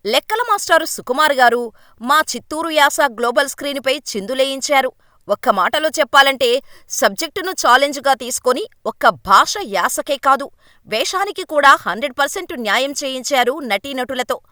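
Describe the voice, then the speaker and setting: A woman delivers a scripted news voice-over at a brisk, even clip, reading straight from the page. Her voice sits high and sounds bright, with a crisp edge. The recording is close and dry, with no room sound around her. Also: no echo. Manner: brisk read-aloud delivery of a written script. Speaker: news narrator.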